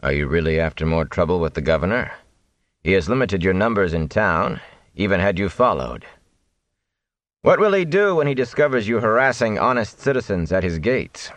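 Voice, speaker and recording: A man voicing a stoic warrior who speaks low, calm and quiet. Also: moderate pace, no echo.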